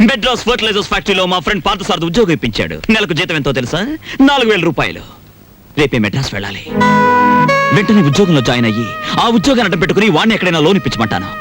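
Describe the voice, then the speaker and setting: An actor playing an excitable, teasing young man, in film dialogue over music. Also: high-pitched, very fast.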